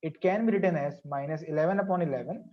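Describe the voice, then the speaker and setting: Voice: medium pitch, fast talker, dull audio. A teacher with a South Asian accent leading an interactive online maths class, repeating phrases and questions to prompt pupils.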